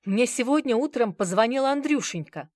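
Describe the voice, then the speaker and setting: A woman's voice: fairly high pitch, lively intonation, normal speed, a little mellow, dry recording, clean studio sound, pitched above the performer's own voice, lightly acted. A woman voicing a frightened male bar manager who stammers and pleads.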